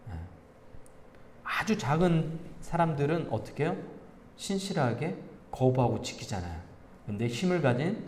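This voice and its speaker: A man's voice: medium pitch, a little hiss or hum. A male pastor preaching a conversational sermon, asking the congregation questions and telling stories. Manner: animated, asks the congregation questions, tells anecdotes with laughter. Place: church sanctuary. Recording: reverberant church hall.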